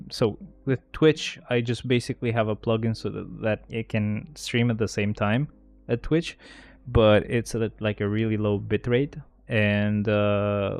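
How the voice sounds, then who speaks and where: A man's voice: lowish voice, a little mellow, clean tone, dry recording. A man live-streaming a game, chatting casually with his viewers, joking and rambling and laughing at his own bits.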